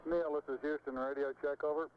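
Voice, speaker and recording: A man's voice: a little high, level tone, a little fast. A man working as a mission control operator, making terse calls over a walkie-talkie style radio link. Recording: muffled 1960s radio transmission, faint noise.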